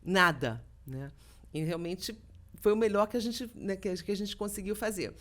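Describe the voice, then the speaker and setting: Speaking at a normal speed with a mid-range voice, a Brazilian voice actress in her middle years recounts stories vividly during a podcast interview, voicing the dialogue she quotes.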